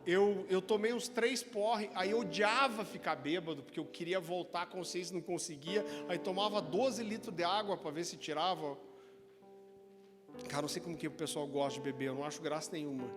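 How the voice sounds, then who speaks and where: A man with a Brazilian accent preaching a sermon, telling a personal testimony in an animated, chatty way. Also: high voice, fairly quick. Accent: Brazilian Portuguese. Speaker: pastor. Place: church sanctuary. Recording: church hall reverb with music.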